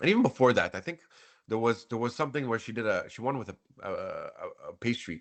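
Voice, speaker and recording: With a French-Canadian accent, a man speaks at a very fast pace, his loudness swinging widely. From Quebec, Montreal. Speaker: chef. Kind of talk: interview. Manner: animated.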